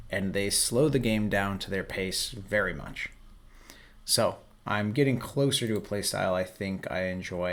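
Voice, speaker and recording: A man with a somewhat low voice that sounds hoarse and worn out, as if strained from shouting. He talks in a relaxed, explanatory way, coaching the listener while he reviews game footage. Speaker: host. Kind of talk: casual commentary over gameplay footage.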